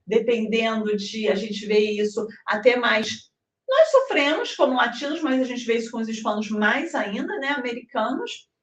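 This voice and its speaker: A woman from Brazil, giving an animated spiritist devotional talk. She often ends phrases with a questioning tag and acts out little dialogues. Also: fairly high pitch. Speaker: spiritist speaker. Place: hall in New Jersey. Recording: roomy, mic at a distance.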